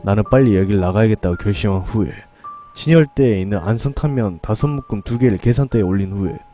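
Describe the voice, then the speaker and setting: A man's voice: lowish voice, fast talker, mellow, faint music behind. A man narrating a first-person horror tale in a dramatic, scripted storytelling style.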